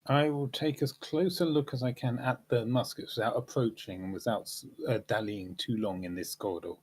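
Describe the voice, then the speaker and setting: A man's voice: mid-range voice, fairly quick, darkish tone, breathy edge. A man playing a tabletop game, asking questions and describing his character's actions in casual chat. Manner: inquisitive, asks many questions. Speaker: player.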